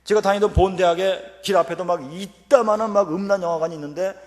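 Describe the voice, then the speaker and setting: Fast, animated man preaching in a hall. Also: high voice. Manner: animated storytelling with acted quotes. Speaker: professor speaking at a revival meeting. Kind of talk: humorous revival-meeting sermon. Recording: reverberant church hall.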